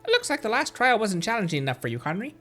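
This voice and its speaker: A woman's voice: mid-range voice, very animated, rapid-fire, a bit bright, soft background music, pitched below the performer's own voice. A woman voicing a formal, wordy, exacting trial organiser as she reads fantasy game dialogue aloud. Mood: composed, exacting.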